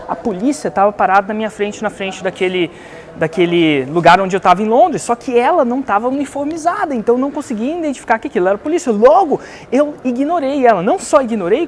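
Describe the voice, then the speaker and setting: A man's voice: sits high, slight background noise. A man from Brazil with a Brazilian Portuguese accent, animatedly telling a story to teach a lesson and acting out the other people's lines. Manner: animated, acts out the other voices in his story. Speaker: online business coach.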